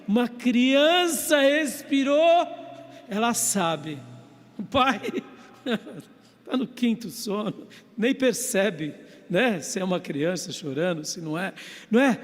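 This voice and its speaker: A man preaching a sermon, telling a story and moving between loud emphasis and hushed asides. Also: high voice, slow pace. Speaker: pastor. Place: church sanctuary. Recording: long church-hall reverb.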